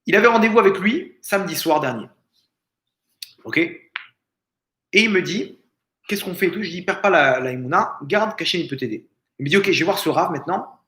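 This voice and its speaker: A man's voice: on the high side, a bit bright, roomy sound. A rabbi giving a lesson in a family home, telling a story and acting out the people he quotes. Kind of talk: Torah lesson told as a story.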